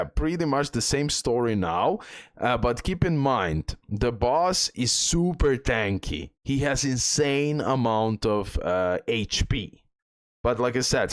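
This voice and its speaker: A man's voice: on the low side, no room sound, clean studio sound. A man giving casual gameplay commentary as the host of a game guide, repeating himself and checking in with the listener.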